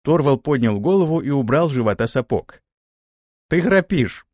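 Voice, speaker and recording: A man narrating an audiobook with expressive storytelling. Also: medium pitch, brisk, dry recording, clean studio sound. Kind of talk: scripted narration.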